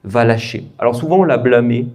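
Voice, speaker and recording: French man preaching in a mellow voice. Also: mid-range voice, brisk. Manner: asks the congregation questions, lively and conversational. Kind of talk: sermon. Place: church.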